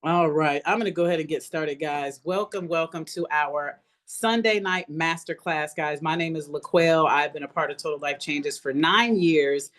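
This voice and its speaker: A woman's voice: deep voice, moderate pace, hardly any pauses, a bit bright. A woman leading a live motivational online class as a coach, speaking emphatically and repeating phrases to encourage her listeners. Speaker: business coach hosting an online masterclass. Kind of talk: live motivational webinar talk.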